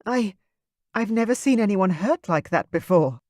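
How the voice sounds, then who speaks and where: An audiobook reader voicing a pregnant young woman who is emotional and quick to anger, in a raised, intense voice. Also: animated, no room sound, studio quality, lightly acted. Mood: distraught. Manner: high-pitched, intense, loud. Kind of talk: audiobook character voice.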